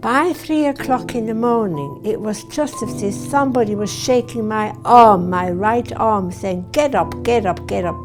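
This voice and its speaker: Music plays in the background as a woman speaks at a fairly slow pace with hardly any pauses and very wide pitch swings. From Switzerland. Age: 80s+. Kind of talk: interview answer.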